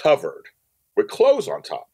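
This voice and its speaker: A man's voice: fairly high pitch, huge pitch swings, measured pace, warm tone, husky, dry recording. A man in his fifties speaking as an interview guest, telling stories casually and emphatically, repeating phrases and acting out quoted dialogue. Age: 50s. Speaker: podcast guest, professional organizer. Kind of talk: animated storytelling in a casual interview.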